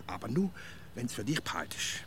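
A man's voice: on the low side, big pitch swings, moderate pace, fairly bright tone, soft background music. An actor with a Swiss accent playing a stubborn, pedantic man in a children's radio play, who argues and splits hairs. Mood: quibbling. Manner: argumentative, splitting hairs, playfully provocative.

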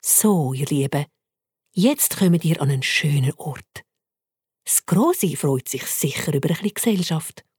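A woman with a Swiss German accent voicing a brisk mother who speaks softly and soothingly. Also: deep voice, animated, breathy edge, no room sound, clean studio sound, full character voice.

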